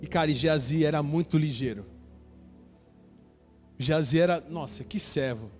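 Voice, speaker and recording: A male pastor with a fairly high-pitched, slightly mellow voice preaches at a moderate pace, faint music behind him. He tells a Bible story with acted-out dialogue and addresses the congregation directly, recorded in a reverberant church hall.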